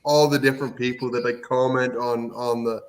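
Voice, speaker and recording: Man, from canada, average pitch, co-host, stumbles and repeats words. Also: level tone, brisk. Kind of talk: casual chat.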